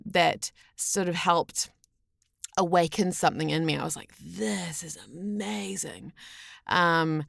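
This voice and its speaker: A woman's voice: mid-range voice, vocal fry, fairly bright tone, dry recording, clean studio sound. A woman in her thirties with a New Zealand accent, telling personal stories casually and expressively as an interview guest. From rural New Zealand. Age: 30s. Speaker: podcast guest, voice actor.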